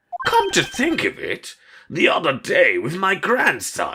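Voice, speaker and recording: Someone uses a put-on character voice, high in pitch, at a fairly slow pace. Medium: fan dub. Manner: stammering, easily rattled.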